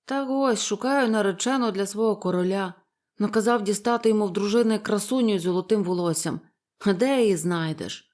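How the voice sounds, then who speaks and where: A woman's voice: mid-range voice, fairly quick, darkish tone, natural voice. A woman voicing a kind young male hero in a storybook, earnest and firm.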